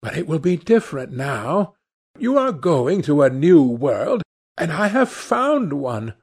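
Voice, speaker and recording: A man's voice: fairly high pitch, big pitch swings, takes it slowly, a little mellow, husky, exaggerated voice. A man voicing a young woman in love, light and pleading in tone as she teases her brother. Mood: fond.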